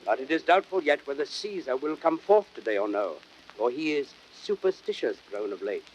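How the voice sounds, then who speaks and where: A man's voice: mid-range voice, lively intonation, moderate pace, close to an everyday voice. A man playing a bitter, persuasive Roman nobleman who plots, in declamatory, impassioned classical Shakespearean style. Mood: grave. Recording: noisy old audiodrama record.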